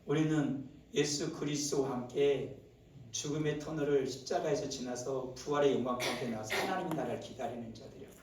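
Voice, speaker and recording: A man's voice: a little fast, a little hiss or hum. Preaching man in a very echoey church. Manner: swings from low murmurs to loud, shouted exclamations; asks the congregation rhetorical questions. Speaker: pastor. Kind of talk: sermon. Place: church sanctuary. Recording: very echoey church hall, mic at a distance.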